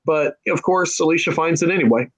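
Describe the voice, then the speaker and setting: A man with a fairly high voice talks in a relaxed panel discussion. He explains things step by step in a conversational, storytelling author's way. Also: a little fast.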